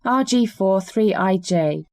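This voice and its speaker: A woman's voice: mid-range voice, expressive, slow, darkish tone, no echo. Polite woman reading back details. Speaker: shop clerk in a scripted dialogue. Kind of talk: scripted listening-exercise dialogue.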